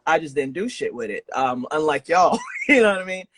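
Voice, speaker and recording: A man's voice: fairly high pitch, very animated, fairly quick, background noise. A man hosting a casual podcast interview, talking in an informal, enthusiastic and affirming way. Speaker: podcast host interviewing a guest.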